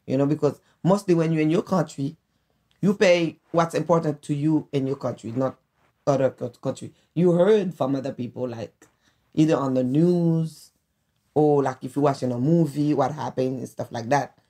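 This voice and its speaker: A woman's voice: low-pitched, moderate pace, mellow. A woman from Haiti with a Haitian accent, chatting as a guest and telling stories with laughter in simple English. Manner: laughs while telling anecdotes, plain broken English. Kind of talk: casual conversation, storytelling.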